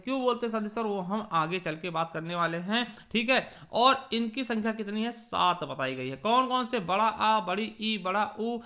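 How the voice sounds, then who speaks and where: A young male teacher with an eastern Uttar Pradesh Hindi accent leads an exam-prep grammar lesson in a high, bright voice. He asks his own questions and answers them at once. He repeats points and stretches sounds to show them. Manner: addresses listeners as friends, drawn-out examples.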